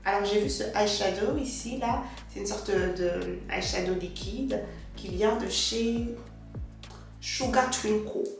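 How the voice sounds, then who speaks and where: A woman's voice: medium pitch, measured pace, vocal fry, soft background music. A young woman chatting casually to her viewers while doing her makeup, slangy and direct. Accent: French with English loanwords. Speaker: beauty vlogger. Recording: echoey room from a distant mic.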